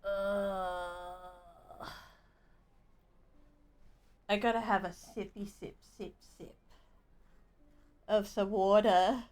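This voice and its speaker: A woman's voice: mid-range voice, fairly even intonation, extremely slow, pauses often, a little mellow. A young woman livestreaming a game, chatting casually with viewers in a playful, silly, exaggerated way. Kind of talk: casual chat with stream viewers.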